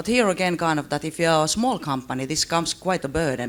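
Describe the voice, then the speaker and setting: Speaking at a very fast pace, a man uses a fairly high pitch. His pitch variation is ordinary. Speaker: industry panelist. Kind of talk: panel discussion.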